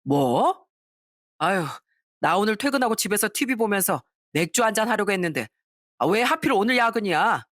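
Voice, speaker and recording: A woman's voice: medium pitch, big pitch swings, moderate pace, a bit bright, dry recording. An irritable, self-centered husband complains and snaps at his wife, as a woman reads his lines. Dry and close sound, in an audio story. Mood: annoyed.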